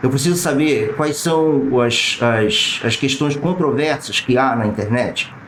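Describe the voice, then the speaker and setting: Ordinary pitch variation comes through amid audible room echo and noticeable background noise. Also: man. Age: 50s. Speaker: law graduate, visually impaired speaker. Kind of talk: academic panel talk.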